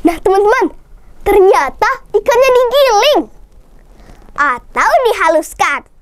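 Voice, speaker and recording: Slow sing-song girl storyteller. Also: very high voice, big pitch swings, dry recording. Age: child. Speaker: student storyteller. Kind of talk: storytelling with sung rhymes.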